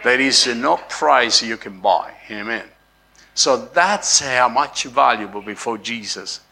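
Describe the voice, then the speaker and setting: Slow, gravelly preacher man. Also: medium pitch, pushed and bright, faint music behind. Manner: repeats phrases and punctuates with "Amen"; slow, drawn-out emphasis on key words. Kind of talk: sermon.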